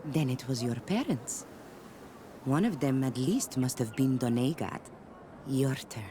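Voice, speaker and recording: A woman's voice: very deep voice, animated, measured pace, noisy background. Teasing tribal villager woman. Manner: teasing, cryptic, simple formal phrasing. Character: playful, teasing tribal villager of a fantasy island. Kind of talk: video game dialogue.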